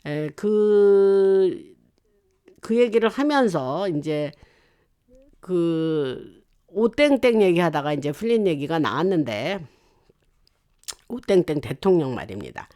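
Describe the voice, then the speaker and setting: Brief: host from Korea, loose news-commentary monologue, resonant tone, lots of filler pauses. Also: mid-range voice, sing-song, warm tone. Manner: rambling, with frequent hesitation fillers.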